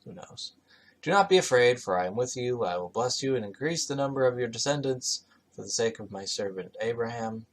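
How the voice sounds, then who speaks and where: A man's voice: medium pitch, lively intonation, fairly quick. A man reading scripture aloud and commenting on it as host, with offhand, skeptical, sardonic asides. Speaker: reader and commentator, host of the show.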